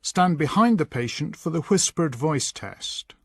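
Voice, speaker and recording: A man reading scripted instructional narration in a measured, instructing manner. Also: fairly high pitch, lively intonation, breathy edge, no room sound, clean studio sound. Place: dry voice-over recording.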